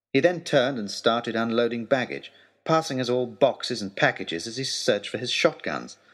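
A natural voice, reading aloud

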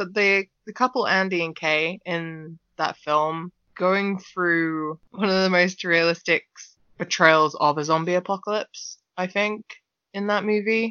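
Fairly slow and fairly even in intonation, a woman speaks with a British accent. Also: medium pitch for a woman. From Britain. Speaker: horror podcast co-host. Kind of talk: casual chat.

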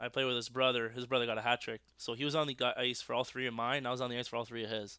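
The pace is very fast. A man speaks at a medium pitch. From Quebec. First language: French. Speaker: professional hockey player. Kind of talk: interview.

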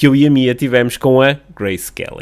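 A man with a European Portuguese accent is heard on a very clean recording with a silent background. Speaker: podcast host. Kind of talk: casual interview. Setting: studio.

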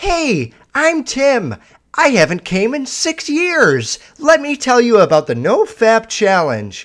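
A man puts on a robotic character voice at an extremely high pitch, swinging very widely up and down at a fairly slow pace. The recording is very clean, with a silent background. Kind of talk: cheerful testimonial. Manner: robotically happy.

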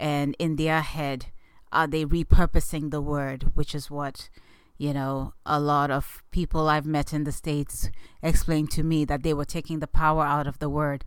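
A woman's very deep, low voice, monotone and flat, at a moderate pace. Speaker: podcast host. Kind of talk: solo monologue, personal commentary.

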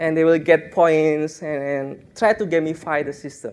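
A man's high voice with an Indonesian accent at a moderate pace. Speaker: design team leader. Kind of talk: conference talk. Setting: stage with audience.

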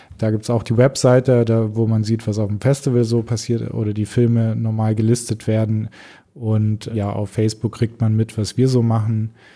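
On a very clean recording with a silent background, the speaker uses a dark, mellow tone at a moderate pace with monotone, flat intonation. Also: man, medium pitch for a man. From Stuttgart, Germany. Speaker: filmmaker and festival organiser. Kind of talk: casual chat.

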